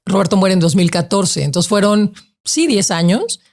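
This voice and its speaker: A woman in her forties with a Mexican accent, a podcast guest telling a heartfelt story in lively, slangy talk full of fillers. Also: mid-range voice, moderate pace, creaky. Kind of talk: emotional storytelling.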